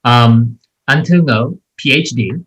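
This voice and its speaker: Husky-voiced male podcast host. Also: mid-range voice, slow pace, fairly bright tone, soft background music, poor audio. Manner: enthusiastic, chatty with fillers. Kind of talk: podcast interview.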